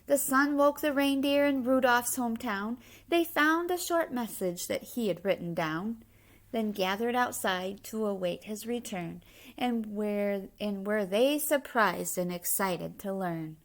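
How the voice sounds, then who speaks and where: Slow-paced woman reading a children's story aloud. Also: fairly high pitch. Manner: animated, emphatic rhyming delivery. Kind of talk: expressive children's read-aloud with explanatory asides.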